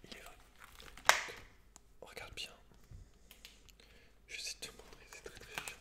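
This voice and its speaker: A man hosting ASMR in a breathy, unvoiced whisper, intimate and informal as he speaks directly to the listener. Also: slow pace. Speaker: ASMR video host. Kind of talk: whispered ASMR, reading a book aloud with casual asides.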